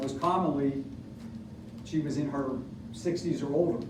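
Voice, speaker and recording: A man with an American accent talks at a moderate pace and a fairly high pitch, with ordinary pitch variation. Noticeable background noise and audible room echo surround his voice. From US Northeast, Philadelphia. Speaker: cardiologist. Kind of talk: lecture with audience Q&A.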